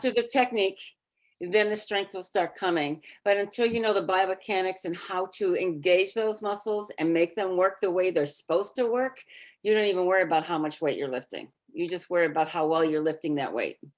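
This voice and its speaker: Talking at a fairly quick pace, a woman with an American accent has a plain, everyday voice and ordinary pitch variation. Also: medium pitch for a woman. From US Midwest (Illinois). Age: 60s. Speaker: personal trainer. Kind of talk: interview.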